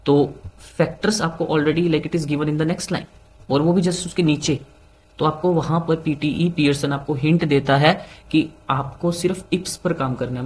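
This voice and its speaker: A man's voice: fairly high pitch, low-quality recording. A young man with an Indian accent teaches English exam tips in a casual, chatty way, dropping in "like", "basically" and "right?" as he goes. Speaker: PTE exam tutor. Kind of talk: casual tutorial talk mixing Hindi and English.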